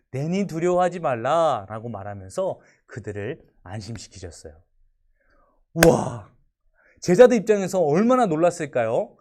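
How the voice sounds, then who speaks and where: Animated man preaching to children, kindergarten-teacher style. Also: high voice. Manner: simple, expressive kindergarten-teacher way of addressing children. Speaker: children's Sunday school preacher. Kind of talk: children's sermon with storytelling.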